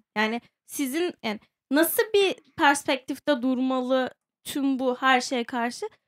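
Against a quiet background, a woman talks at a very slow pace in a high voice with ordinary pitch variation. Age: young. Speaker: young media worker asking a question; interview host. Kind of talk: interview question. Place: studio.

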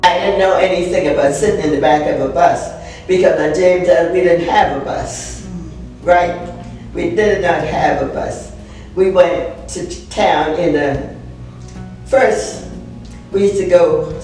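A woman speaks at a fairly slow pace, with audible room echo and light background noise. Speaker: church elder interviewee. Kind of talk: interview answer. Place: church.

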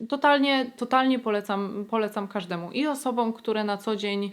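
With a normal speaking voice and fairly even intonation, a woman speaks at a moderate pace on a very clean recording with a silent background. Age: 30s. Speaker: beauty vlogger. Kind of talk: tutorial.

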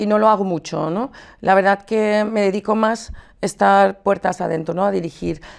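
The background stays quiet as a woman speaks. Her pace is moderate and her pitch variation ordinary. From Germany-born, Spanish family (Andalusia); Germany. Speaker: business owner. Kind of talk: interview. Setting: TV studio. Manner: halting. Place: studio. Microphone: lapel.

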